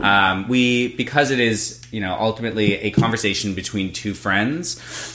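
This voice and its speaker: At a moderate pace, a man with a fairly low pitch speaks in an ordinary speaking voice. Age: 30s. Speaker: theater actor. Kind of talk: casual interview.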